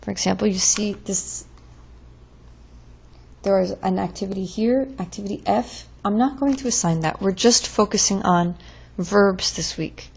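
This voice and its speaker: A woman's voice: mid-range voice, moderate pace, creaky, a little mellow, breathy edge. A woman teaching French verb conjugations in a patient, drilling way, as in a recorded lesson.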